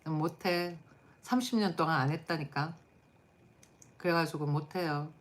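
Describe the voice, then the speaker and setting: Blunt low-voiced woman streamer chatting. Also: measured pace. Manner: blunt, chatty, answers chat comments aloud. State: tired. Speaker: live stream host. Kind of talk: casual live chat with viewers.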